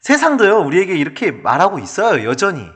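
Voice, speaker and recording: A man preaching a sermon as pastor, animated and dramatic, asking his listeners rhetorical questions. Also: high voice, fairly quick.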